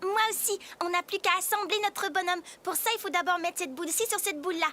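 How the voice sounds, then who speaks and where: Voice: very high voice, fast, pushed and bright. A performer voicing a confident, helpful young girl in a children's cartoon, giving encouraging instructions to a playmate. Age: child character. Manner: encouraging, bossy, clear instructions.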